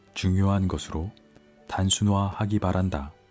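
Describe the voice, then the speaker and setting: Over music in the background, the speaker talks in a calm tone at a very slow pace. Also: man. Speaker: audiobook narrator. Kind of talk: audiobook reading. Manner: calm, soft-spoken.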